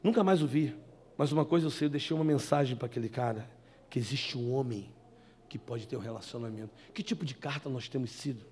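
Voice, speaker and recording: A man from Rio de Janeiro gives an animated sermon testimony, calling his listeners brothers as he tells a story indoors. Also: mid-range voice, fast talker, a little hiss or hum. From Brazil, Rio de Janeiro. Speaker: evangelist giving testimony. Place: indoor meeting room.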